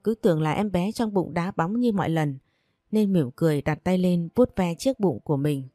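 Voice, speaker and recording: A woman narrating a first-person story in a steady, earnest way. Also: fairly low pitch, normal speed, no room sound, clean studio sound.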